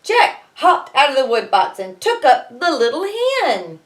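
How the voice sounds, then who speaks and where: A woman reads a storybook in a fairly high, very lively voice. She teaches as she goes, slipping in wry little asides to explain things. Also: measured pace. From United States. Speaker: schoolteacher reading aloud to students. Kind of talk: expressive storybook reading with asides.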